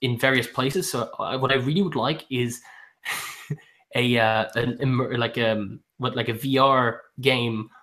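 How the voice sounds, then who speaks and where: Male book-channel host, average pitch, halting and chatty, chuckles often. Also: fairly even intonation, bright, forceful tone. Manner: hesitant, many ums and restarts; laughs often while talking. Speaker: booktube host. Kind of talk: casual live-stream book chat.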